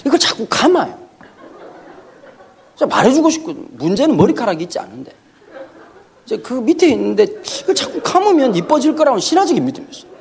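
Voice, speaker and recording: A man pastor giving a humorous sermon lecture in a church, talking in an animated, comic way and acting out the voices he quotes. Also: very high-pitched, fast, gravelly, pauses often. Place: church sanctuary.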